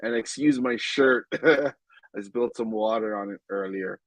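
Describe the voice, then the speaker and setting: Slow, stuffed-up nasal man. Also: fairly low pitch, no echo. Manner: rambling, many ums and restarts. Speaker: game vlogger. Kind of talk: casual game commentary.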